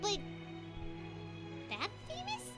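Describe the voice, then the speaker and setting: A woman voicing a tiny, cheeky, excitable fairy companion in a video game, blunt and childlike. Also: takes it slowly, soft background music, full character voice. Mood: amazed, doubtful. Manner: refers to self by name, squeaky, blunt.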